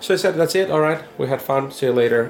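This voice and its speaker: Noticeable background noise runs through the clip. A man speaks with a Spanish accent. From Mexico. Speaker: musician and designer. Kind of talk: casual chat.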